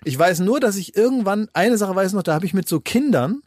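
Podcast guy rambling thru stories, lots of ums, slightly high voice, dry close sound. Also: expressive, brisk, a little mellow, no echo. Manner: rambling anecdotes with many fillers. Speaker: podcast co-host. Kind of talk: casual banter.

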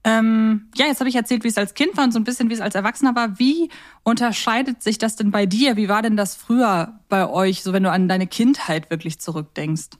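A German woman co-hosts a casual conversational podcast, telling stories informally. Her voice is a little high and her delivery brisk.

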